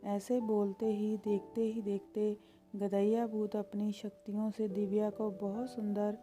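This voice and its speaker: A woman narrating a children's moral story in a calm, scripted storytelling manner. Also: medium pitch, unhurried, soft background music.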